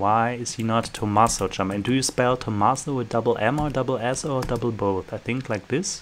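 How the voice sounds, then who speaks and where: A man speaks with a non-native accent at medium pitch. He keeps a moderate pace and ordinary pitch variation. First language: not English. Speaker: let's play gamer. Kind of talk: gameplay commentary. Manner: casual, thinking aloud.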